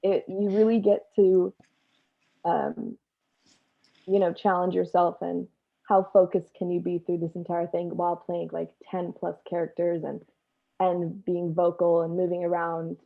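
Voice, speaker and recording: Lower-voiced young woman, dull lo-fi sound. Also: little pitch movement, unhurried, vocal fry. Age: young adult. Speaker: actor, interview guest. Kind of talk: casual panel chat. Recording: dull, lo-fi call audio.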